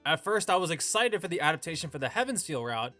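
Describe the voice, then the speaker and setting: Animated man narrating with lively pitch swings. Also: fast talker, soft background music. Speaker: video essay host. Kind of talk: scripted opinion narration.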